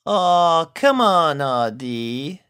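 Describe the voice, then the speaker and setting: Man doing a folksy, bright country mare. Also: fairly high pitch, big pitch swings, extremely slow, clear, resonant tone, voice pushed up, full character voice. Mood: soothing. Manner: folksy, drawling, frank. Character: steady, no-nonsense country farm mare.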